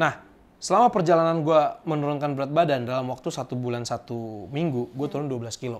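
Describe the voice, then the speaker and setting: This man's voice is fairly high, with ordinary pitch variation. He talks at a fairly quick pace. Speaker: infotainment TV host. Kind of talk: casual chat. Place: studio. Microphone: lapel.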